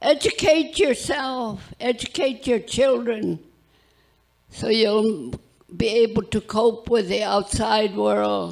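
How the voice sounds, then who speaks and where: The woman talks very slowly, her pitch varying in an ordinary way. All is quiet behind her. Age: 90s. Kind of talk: award acceptance speech. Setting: live event, audience. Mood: heartfelt, earnest. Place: hall. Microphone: handheld.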